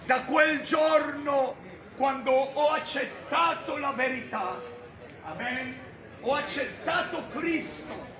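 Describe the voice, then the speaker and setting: A man with a high voice preaches loudly outdoors on a busy town street, declaiming and waving a Bible. A camera far away catches the sound, which echoes off the street amid crowd noise and passers-by.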